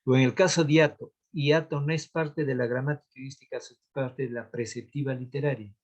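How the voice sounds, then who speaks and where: A man's voice: mid-range voice, fairly even intonation, a little fast. A male literature teacher giving a recorded lesson on verse meter, counting syllables aloud one by one and checking in with rhetorical questions. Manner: asks rhetorical checks like "¿Bien?".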